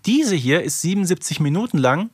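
A man's voice: fairly high pitch, sing-song, fairly quick, breathy edge, no echo, studio quality. A man hosting a podcast, chatting casually and colloquially about his opinions, often tagging phrases with little questions. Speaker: podcast host. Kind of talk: casual review chat.

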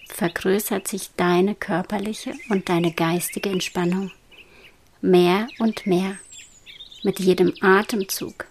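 A woman guiding a hypnosis meditation in a soft, slow whisper. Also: mid-range voice, slight background noise. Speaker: hypnosis guide.

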